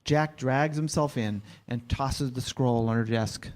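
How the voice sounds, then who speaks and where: A man's voice: mid-range voice, a little slow. A man giving scripted narration, reading out stage directions at a staged screenplay reading.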